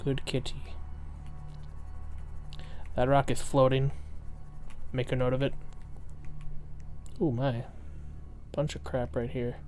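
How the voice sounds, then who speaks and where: A man with a lisp chatting through a game stream, excitable and quick to mock himself. His voice sits at a middle pitch. Faint game music plays behind him. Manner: excitable, swears, self-mocking. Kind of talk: casual gameplay commentary.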